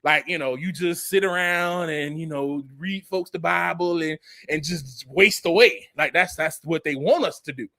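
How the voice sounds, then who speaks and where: With a sharp tone and a slightly high voice, this Bible teacher in his forties speaks at normal speed with few pauses, in clean studio sound with no room sound. His casual, conversational scripture teaching features frequent restarts, plenty of "you know", and emphatic, mocking asides.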